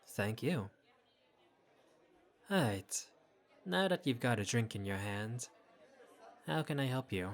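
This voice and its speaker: A man's voice: medium pitch, big pitch swings, slow pace, pauses often, a faint crowd. A man playing a flirty, easygoing bartender who teases and chats with a patron in an audio roleplay. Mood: playful, pleased. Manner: playful, teasing, casual. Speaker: bartender character. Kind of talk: intimate audio roleplay, conversational acting.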